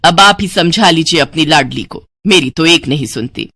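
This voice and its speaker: A woman's voice: sits low, moderate pace, sharp tone. A woman voicing an exasperated, scolding middle-aged mother in a storybook tale. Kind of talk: storybook voice acting.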